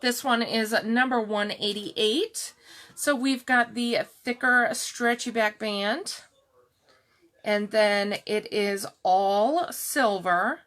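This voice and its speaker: A middle-aged woman with a calm, soft-spoken voice, chatting slowly through a live jewelry showcase and answering viewers by name. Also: medium pitch. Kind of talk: slow live-stream product showcase chat.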